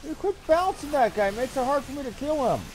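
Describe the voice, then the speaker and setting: A man's voice: very high voice, very animated, quick pace, a little hiss or hum, poor audio. A man giving casual live commentary while streaming a game, with a wry, mildly profane way of talking.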